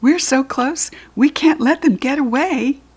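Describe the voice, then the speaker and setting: A put-on character voice, female-sounding and high-pitched, at a fairly slow pace. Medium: read story.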